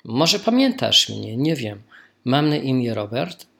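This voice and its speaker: Slow-speaking Australian man with English-accented Polish. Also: medium pitch, big pitch swings, vocal fry, a bit bright. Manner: careful learner's phrasing with small grammatical slips. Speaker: Polish learner, listener sending a recorded message. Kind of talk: recorded spoken message, careful and informal.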